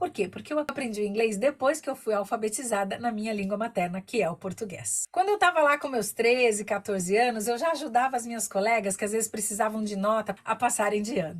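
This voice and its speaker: Talking very fast, a woman sounds somewhat breathy. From Brazil. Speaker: English teacher. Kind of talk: personal story. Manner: conversational.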